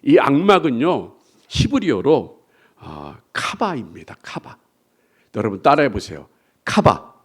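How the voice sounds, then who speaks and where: A man's voice: medium pitch, huge pitch swings, measured pace, husky. A male pastor preaching a sermon, asking the congregation to repeat after him and acting out the complaints of believers. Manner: acts out complaining believers in quoted voices.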